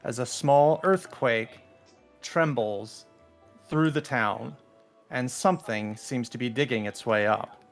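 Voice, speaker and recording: A man narrating a roleplay event as game master, describing the scene slowly and ominously. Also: medium pitch, soft background music.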